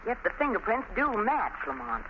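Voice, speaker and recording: An actress playing a detective's lively, devoted lady companion in 1930s radio style, brisk, refined and insistent. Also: mid-range voice, close to an everyday voice. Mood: puzzled. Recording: noisy, dull 1930s radio recording.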